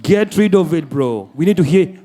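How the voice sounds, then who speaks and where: A man's voice: on the high side, animated, moderate pace, warm tone. A man on a panel speaking emphatically and casually to a fellow speaker. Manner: emphatic, casual, addressing a peer as bro.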